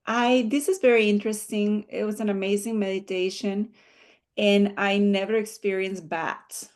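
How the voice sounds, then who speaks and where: A woman's voice: medium pitch, fairly even intonation, normal speed. A woman taking part in a meditation session, earnestly describing her experience in casual chat and searching for words as she goes. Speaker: session participant.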